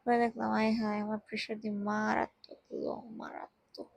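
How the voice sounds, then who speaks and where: A tired young woman, speaking very softly while lying down at home, giving casual health advice into a handheld mic. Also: a little high, monotone, quick pace, creaky, no room sound, low-quality recording. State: tired, drowsy. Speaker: vlogger. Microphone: handheld microphone.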